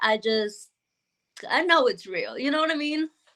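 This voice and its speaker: A woman's high, raised and projected voice in an American accent, bright and sharp, with very wide pitch swings at a moderate pace and a dry, close sound with no echo. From Tennessee, US, Mexican family. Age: 20s. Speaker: hairstylist, podcast guest. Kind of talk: casual chat.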